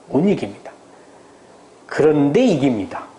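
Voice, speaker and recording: Noticeable background noise sits behind a man's voice. He speaks fairly slowly at a fairly high pitch, with very wide pitch swings. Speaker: Bible teacher. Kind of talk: Bible study lesson.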